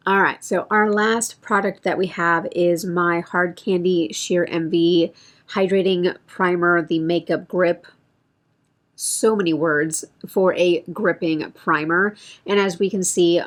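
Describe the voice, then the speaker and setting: A woman with a fairly low voice talks casually as a beauty vlogger. She chats through a product update, thinks aloud and corrects herself as she goes. Her voice sounds a little strained. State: voice feels strained.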